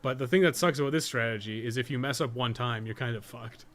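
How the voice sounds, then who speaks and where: A man's voice: medium pitch, quick pace, fairly bright tone. A man doing casual live gameplay commentary, thinking aloud and swearing freely as he plays. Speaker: game streamer and guide writer.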